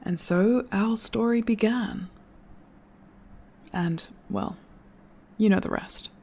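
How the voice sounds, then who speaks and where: An actor playing a reflective storyteller in an audio drama, giving an earnest, measured farewell address to listeners. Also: mid-range voice, a little mellow. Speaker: narrator.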